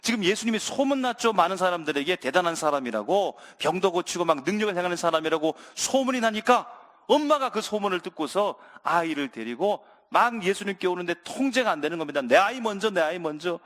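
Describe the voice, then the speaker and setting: A male pastor preaching a sermon in a church, animated, questioning his congregation and acting out scenes. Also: high-pitched, brisk. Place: church sanctuary. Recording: reverberant church sanctuary.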